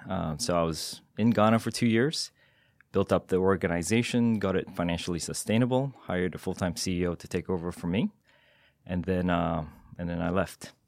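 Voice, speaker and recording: Deep-voiced man, hesitant. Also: fairly even intonation, gravelly, darkish tone, no echo, clean studio sound. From Singapore. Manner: measured, hesitant with many "uh" and "um" fillers. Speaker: guest, tech executive. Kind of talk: interview answers. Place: podcast studio.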